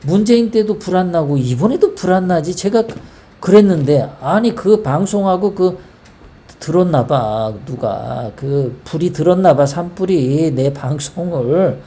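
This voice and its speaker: A woman from South Korea hosts a political commentary show in a low, dark voice. Her talk runs heated and rambling, and she keeps throwing out rhetorical questions. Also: lively intonation, unhurried. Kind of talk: casual political monologue.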